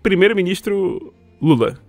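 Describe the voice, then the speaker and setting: A man's voice: sits high, animated, moderate pace, a little mellow, soft background music. A man co-hosting a casual podcast, laid-back and dry in his replies. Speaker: podcast co-host.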